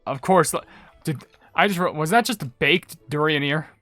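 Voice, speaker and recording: A man's voice: a little high, moderate pace, pushed and bright, no echo, faint music behind. A man hosting a gaming video, chatting casually and rambling as he comments and reads aloud.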